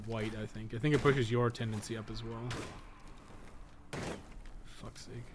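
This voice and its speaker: A man with a mid-pitched voice gives casual running commentary while playing a game. He talks informally and swears freely, often muttering to himself. A faint background noise sits behind his voice. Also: steady tone, a little slow. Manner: profane, informal, muttering to self. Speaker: gaming podcast co-host.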